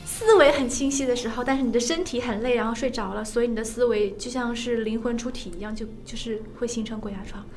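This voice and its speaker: High-pitched giggly young woman chatting. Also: quick pace, few pauses, a little mellow, soft background music. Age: young adult. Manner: giggly, rambling, trails off into jokes. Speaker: podcast co-host. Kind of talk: casual chat.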